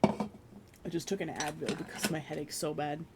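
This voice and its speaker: A streamer chatting casually with viewers from their room at home, rambling and laughing at themselves, with a hoarse voice that is giving out. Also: medium pitch, level tone, normal speed, slight background noise. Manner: rambling, self-deprecating, laughs often. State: hoarse, losing voice.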